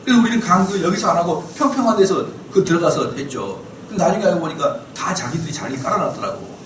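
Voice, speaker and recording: A middle-aged male pastor teaches a Bible class in a church lecture hall, speaking fast in a voice on the high side. He animatedly acts out the people he describes and fires rhetorical questions at his listeners. He's picked up off-mic from a distance, with the hall echoing and a faint hiss underneath.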